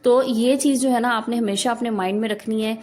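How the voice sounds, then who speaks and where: A woman's voice: on the high side, steady tone, fairly quick, darkish tone, a little hiss or hum. A woman in her thirties from Pakistan, speaking with a Pakistani Urdu accent, gives earnest, instructive family advice straight to her viewers in a casual vlog. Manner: earnest, instructive, addresses viewers directly with frequent rhetorical "na". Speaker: housewife vlogger. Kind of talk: advice talk to camera.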